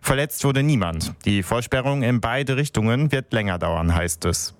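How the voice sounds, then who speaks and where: A man reading the regional radio news in a brisk, matter-of-fact way. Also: medium pitch, lively intonation, dry recording. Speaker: local news presenter.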